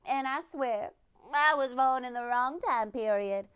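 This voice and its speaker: A woman's voice: high-pitched, measured pace, fairly bright tone, clean tone. A woman playing a brash, self-satisfied rockabilly burlesque hostess with showy emcee patter in a comedy monologue. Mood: showy, smug.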